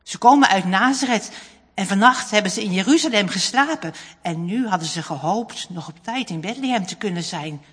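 A woman narrating a children's storybook in an expressive, dramatic reading. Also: medium pitch, moderate pace, slightly rough. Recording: long hall reverb.

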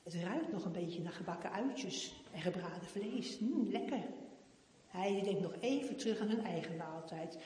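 Animated woman reading a children's story. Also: medium pitch, moderate pace. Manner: expressive, animated. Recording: echoey hall.

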